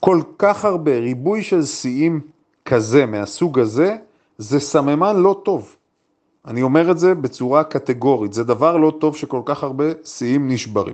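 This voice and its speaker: Here a man talks at a fairly slow pace in a fairly high pitch. His intonation is lively. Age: 40s. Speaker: investment commentator. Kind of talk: solo podcast monologue. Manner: animated.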